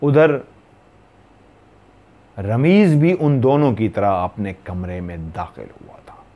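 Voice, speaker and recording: A man's voice: on the low side, slow pace, highs cut off. A man from Pakistan narrating a horror story in a dramatic, suspenseful way.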